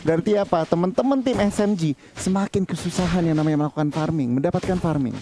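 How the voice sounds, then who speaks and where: Fast, high-pitched Indonesian male esports analyst. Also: background noise.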